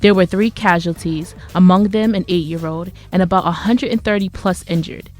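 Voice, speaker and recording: A woman's voice: on the low side, moderate pace, darkish tone, faint music behind. A woman reading scripted news and announcements as a college radio reporter.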